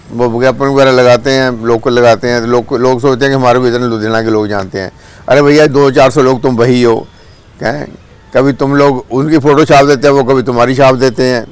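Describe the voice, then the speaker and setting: Outdoors, with birds and a cat nearby, a vlogger from Punjab, India delivers a blunt, scolding monologue in a Punjabi accent. His voice is medium-pitched with a clean tone.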